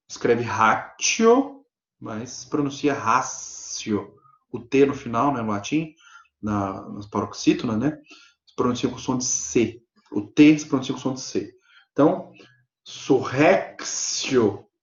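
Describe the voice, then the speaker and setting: Male law professor, Brazilian accent, fairly high voice, explanatory online class, echoey room on a lo-fi mic. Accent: Brazilian Portuguese. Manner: explanatory, peppered with "né?" and "tá?" check-ins; animated pitch swings for emphasis. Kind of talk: live online lecture. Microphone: computer mic on a video lecture platform.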